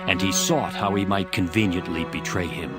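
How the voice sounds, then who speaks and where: A man's voice: low voice, moderate pace. A man narrating scripture from a script for a dramatized audio Bible. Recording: music behind the voice. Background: background music.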